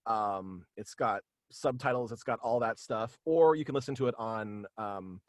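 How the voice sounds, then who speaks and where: A young man talking casually as an interview guest, in a halting, rambling way over a video call. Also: fairly low pitch, no echo, clean studio sound. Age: young adult. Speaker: guest, voice actor and podcast creator. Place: small room at home, video call.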